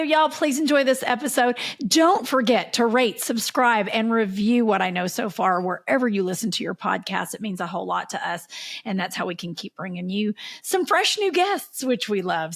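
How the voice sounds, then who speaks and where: A woman's voice: fairly high pitch, animated, moderate pace, vocal fry. A woman co-hosting a podcast, bubbly and effusive in casual chat, saying "y'all.". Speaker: podcast co-host.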